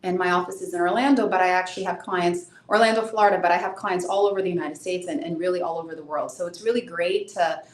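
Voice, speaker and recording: An immigration attorney in her thirties, originally from Brazil with Portuguese as her native language, talks through a webinar in a low, steady voice. She explains carefully and earnestly, often stumbling on the first word of a phrase. The recording sits in a noticeably echoey room. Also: fast talker, few pauses. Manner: earnest, explanatory, repeats words when starting a phrase. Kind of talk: webinar interview answers.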